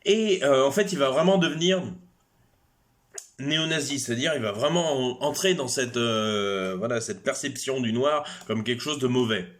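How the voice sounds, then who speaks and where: A man's voice: mid-range voice, normal speed. A man giving a casual explanatory monologue, hesitant, with many fillers, restarts and chatty asides. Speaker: video creator.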